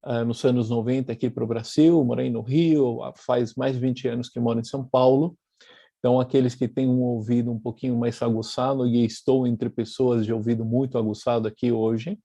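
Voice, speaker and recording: Speaking over a video call, a publisher from Argentina gives an online lecture as a guest, his light accent audible. His delivery is reflective and full of fillers and false starts. The medium-pitched voice is mellow, a little fast, and fairly flat in pitch, recorded dry.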